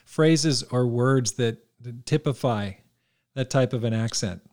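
A man's voice: medium pitch, a little slow, a little mellow. A man hosting an interview, asking friendly, curious questions and laughing along with his guests. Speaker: podcast host, interviewer.

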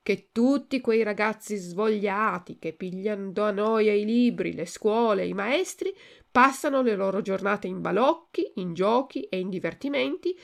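A woman voicing a kind, wise little female marmot in a storybook, speaking gently and gravely. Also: mid-range voice. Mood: consoling.

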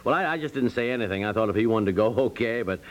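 An actor playing a grumbling, hesitant husband in a 1950s radio comedy, hemming and hawing in folksy phrases. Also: male voice, lowish voice, animated, racing, close to an everyday voice. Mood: casual, hedging. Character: grumbling, hesitant husband, feigning reluctance to his pals. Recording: vintage 1950s radio broadcast sound.

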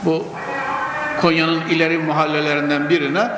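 An older man preaching fervently into a pulpit microphone, repeating phrases and rising to shouts. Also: on the high side, level tone, moderate pace, noisy background. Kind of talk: sermon. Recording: echoey hall with loud ambience.

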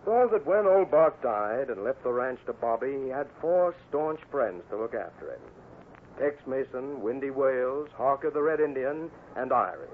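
A man's voice: medium pitch, expressive, normal speed. Male old-time radio narrator, tinny sound. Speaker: announcer and narrator. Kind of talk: 1940s-50s radio scripted storytelling. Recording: tinny old radio recording, faint hiss.

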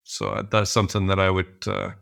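A man's voice: low-pitched, monotone, fairly quick, vocal fry, fairly bright tone. A middle-aged man answering interview questions as a guest, thinking aloud with frequent restarts and fillers. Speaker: podcast guest, executive coach.

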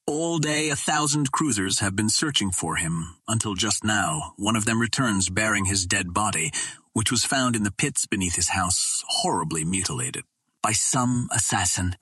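A grave alien monarch as read by a male narrator speaks in formal, solemn oratory. The voice is fairly low and husky, recorded dry, for an adventure audiobook. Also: animated, normal speed, bright, forceful tone, dry recording, heavily acted. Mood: grave, urgent. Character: grave alien ruler addressing his council.

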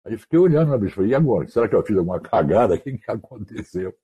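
Husky deep-toned man telling radio stories. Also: racing. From Mato Grosso do Sul, Brazil. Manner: animated anecdotes, acting out quoted voices, slangy. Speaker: guest, radio announcer. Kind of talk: casual storytelling. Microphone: online call.

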